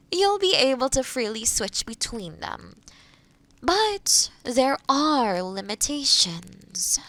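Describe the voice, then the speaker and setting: A kind forest witch, played by a woman in a fantasy roleplay audio, speaking slowly in a highish, expressive voice. She explains gently and thoughtfully, with light amusement, right up close in a dry space. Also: no room sound, heavily acted. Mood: careful explaining. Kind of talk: roleplay audio drama addressed to the listener.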